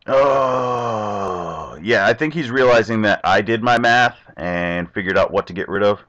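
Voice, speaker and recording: A man's voice: fairly low pitch, a little slow. A young man casually commentating his online card game, chatty and talking to his opponent. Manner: chatty, animated, talks to himself and the opponent. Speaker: gameplay commentator. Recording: dull lo-fi recording.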